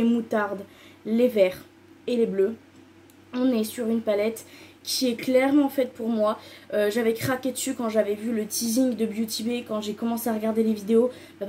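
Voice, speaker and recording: A woman talks straight to her viewers in a loose, rambling beauty-vlog manner. Her voice sits a little high but has a soft, mellow tone. She piles up repeated intensifiers with easy, chatty enthusiasm. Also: a little hiss or hum. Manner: loose and rambling, many fillers. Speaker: beauty vlogger. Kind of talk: casual chatty haul video.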